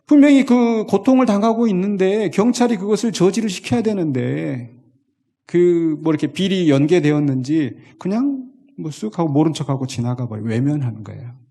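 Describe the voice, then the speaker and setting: A man preaching a Sunday sermon, reading scripture slowly and with feeling in an animated manner. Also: high-pitched, gravelly. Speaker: pastor.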